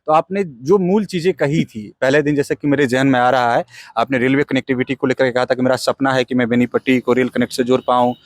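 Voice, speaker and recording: A man's voice: mid-range voice, fairly even intonation, fast talker, dry recording. A man interviewing as a journalist, putting long, wordy political questions. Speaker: news interviewer.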